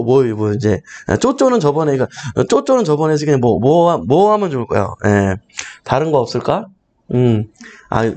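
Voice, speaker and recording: A man hosts a live stream in a casual, chatty way, bantering playfully with his viewers. His voice sits high for a man. It swings up and down with lively intonation. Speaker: live-stream host and real-estate auction mentor.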